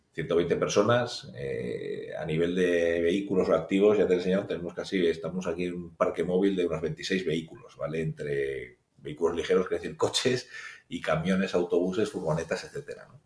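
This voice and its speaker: A man with a Spanish accent talks at a fairly quick pace, with hardly any pauses. His loudness swings widely. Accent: Spanish (Spain). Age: 50s. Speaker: cycling team executive. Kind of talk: interview. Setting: in-person studio room. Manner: hesitant, with many fillers.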